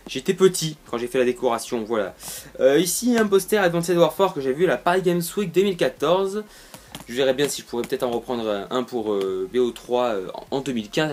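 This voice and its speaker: Rambling young man giving a room tour. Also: mid-range voice. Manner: rambling with many fillers and restarts, jokey. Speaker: YouTuber. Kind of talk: casual room tour vlog. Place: bedroom. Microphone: camera on tripod.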